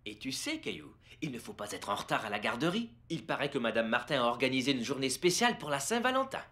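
An actor playing a patient, playful father in a children's cartoon dub, gently explaining things to a child. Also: mid-range voice, huge pitch swings, fast, full character voice. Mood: gentle, cheerful.

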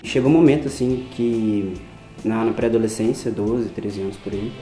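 Measured 32-year-old Brazilian man. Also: fairly low pitch, warm tone, faint music behind. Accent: Brazilian Portuguese. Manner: practical, measured. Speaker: interviewee. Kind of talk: casual personal storytelling. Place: studio against grey wall. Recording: roomy room sound.

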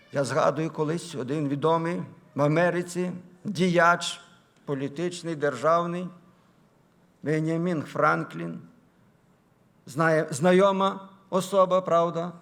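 Higher-pitched man preaching with dynamic swings. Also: vocal fry. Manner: swings between loud, raised emphasis and low, quiet asides; drawn-out, slowed key phrases. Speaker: pastor. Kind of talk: sermon. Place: church sanctuary.

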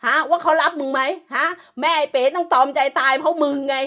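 A woman's voice: sits high, fairly even intonation, fast talker, pushed and bright. A woman delivering an angry, profane, scolding rant as an online commentator, hurling insults throughout.

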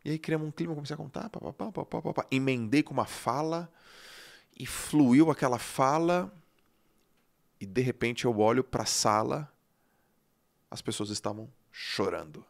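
A man hosting a podcast, telling a personal story in an animated way that swings between loud and hushed, with some casual swearing. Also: medium pitch, normal speed, creaky. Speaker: podcast host.

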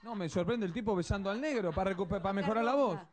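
A man's voice: sits high, fast talker, a crowd in the background. A man hosting a TV show with an Argentine accent, giving short teasing replies to a comedian. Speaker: TV show host. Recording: studio audience behind.

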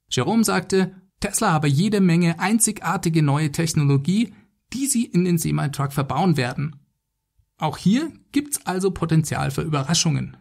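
A man's voice: on the high side, gravelly, a little mellow. A man hosting a solo podcast, giving semi-scripted commentary in a conversational way, speaking directly to his listeners. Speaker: podcast host.

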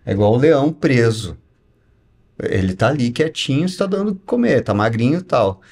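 A man's voice: mid-range voice, very animated, brisk, a little mellow, breathy edge. Guy guesting on a podcast, medium voice, homey comparisons, keeps asking if you get it. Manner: explains with homespun comparisons, keeps asking "entendeu?". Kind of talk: casual podcast chat.

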